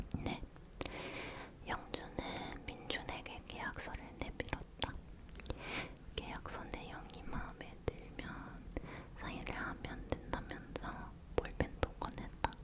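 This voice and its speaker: Whispering at a very slow pace, a woman leaves long, frequent pauses against noticeable background noise. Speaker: ASMR creator. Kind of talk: bedtime book reading. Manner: soft-spoken, slow.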